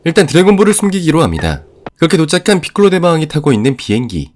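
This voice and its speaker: Fast, animated man narrating a recap. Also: fairly high pitch, background noise. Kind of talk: scripted narration of an anime review.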